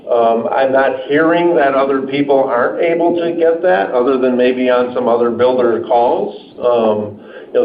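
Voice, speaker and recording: A man speaking as a company executive, answering off the cuff on an earnings call in a conversational, stop-and-start way. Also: medium pitch. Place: indoor room on a conference call. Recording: roomy muffled conference call, noisy.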